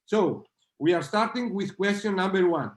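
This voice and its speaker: Guy hosting a zoom panel, kinda halting, lots of uhs, echoey room. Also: sits high, lively intonation. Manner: halting, many filler sounds. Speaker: moderator. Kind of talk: hesitant webinar moderation. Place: video call.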